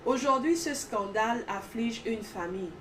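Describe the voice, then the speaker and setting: A woman's voice: fairly high pitch, moderate pace, fairly bright tone, far from the mic, slight background noise. Earnest woman, heard off-mic. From Gabon. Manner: emphatic, repetitive phrasing. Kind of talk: earnest testimony talk.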